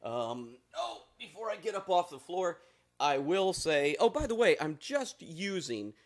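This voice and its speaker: A man's voice: high-pitched, very animated, unhurried. A man hosting a casual guitar amp demo, talking in a playful, folksy way from the floor of a room full of amps. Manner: folksy, playful, drawling asides. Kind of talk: casual joking gear demo. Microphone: instrument mics on amps, voice faint.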